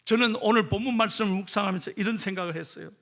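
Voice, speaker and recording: A man's voice: sits high, rapid-fire, a bit bright. A man preaching a sermon as pastor, emphatic, leading the congregation in reading aloud.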